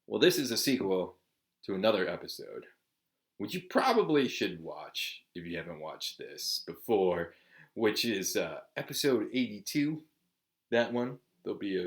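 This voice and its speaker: A man's voice: on the low side, a bit bright. A man in his forties from Southern California, chatting casually to camera as a vlog host, laid-back and swearing often with lots of "like" and "dude". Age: 40s.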